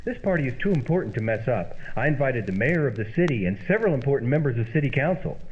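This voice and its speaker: A man's voice: mid-range voice, very animated, quick pace, lightly acted. A man playing a fussy, anxious, socially ambitious party host in an old-time radio comedy, bossy and eager to impress. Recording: muffled, very noisy old radio sound.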